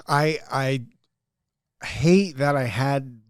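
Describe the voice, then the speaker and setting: A middle-aged man with a deep voice, telling loud, profane family stories in a casual podcast chat. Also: extremely slow, clear, resonant tone, dry recording, studio quality. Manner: loud, profane, animated storyteller. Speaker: podcast host.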